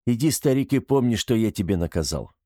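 A man's voice: mid-range voice, expressive, a little fast, dark tone, no echo, close to an everyday voice. A man voicing a proud, stern tribal chief in an audiobook, giving orders in a dry, harsh and emphatic way. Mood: commanding.

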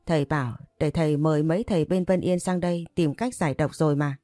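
A woman's voice: sits low, steady tone, quick pace, mellow, dry recording, studio quality, soft background music, natural voice. A woman voicing an irritable old patriarch who scolds and commands his household, in a storybook reading. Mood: angry.

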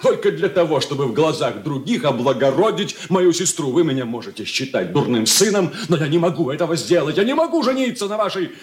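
An actor playing a proud, bitter young merchant son in a radio drama, speaking in a clipped, indignant way. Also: male voice, a little high, brisk, hardly any pauses. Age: young adult. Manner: clipped, indignant, lively delivery. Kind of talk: 1980s studio radio drama acting. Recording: roomy studio echo.

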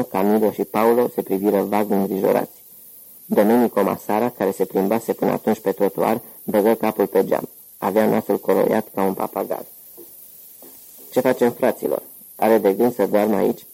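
A man narrating an audiobook novel with a steady, measured reading. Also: fairly low pitch, gravelly, breathy edge, rough recording. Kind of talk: scripted narration.

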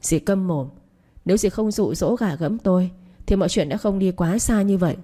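A woman's voice: mid-range voice, moderate pace, dark tone, close to an everyday voice. A woman voicing a guilt-ridden young man who speaks curtly and reproachfully to his stepmother. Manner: curt, reproachful.

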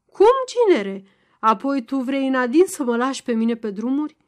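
A woman voicing a stubborn, crafty old peasant father-in-law who speaks in a loud, gruff, mocking way. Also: on the high side, natural voice. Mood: angry, stubborn.

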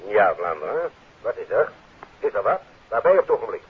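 A blunt, businesslike chief inspector in a fifties radio drama. His voice is very husky and animated. It comes through thin, like an old telephone. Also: fairly low pitch, fairly quick, heavily acted. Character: gruff, businesslike male police chief inspector. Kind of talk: 1950s radio drama acting. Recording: phone-like muffled 1950s radio recording.

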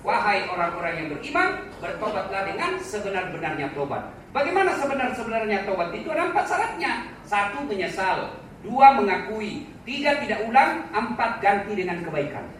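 A male preacher giving a humorous, animated sermon and addressing his listeners directly. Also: high voice, a little fast. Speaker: Islamic preacher. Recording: echoey hall, distant mic, faint noise.

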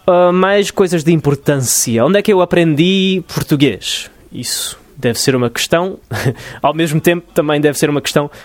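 A man from New Jersey, talking in Portuguese as a podcast host, reflective and full of pauses and restarts. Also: fairly high pitch, dry recording. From United States (New Jersey). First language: English. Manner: hesitant, many fillers and restarts, reflective. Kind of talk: casual solo podcast monologue.

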